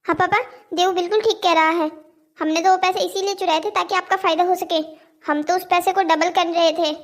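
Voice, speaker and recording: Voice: extremely high pitch, fairly even intonation, brisk, a bit bright. A performer voicing a cheeky, childish boy who pleads and argues brazenly in a cartoon moral story. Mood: pleading. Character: cheeky, childish cartoon boys making earnest excuses.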